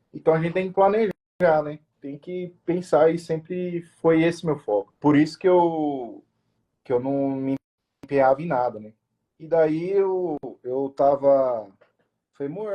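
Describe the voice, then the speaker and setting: Young restaurant owner, male, mellow warm voice, informal storyteller. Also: fairly high pitch. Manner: informal, full of restarts and quoted self-talk. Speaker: restaurant owner, interview guest. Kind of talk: casual emotional storytelling.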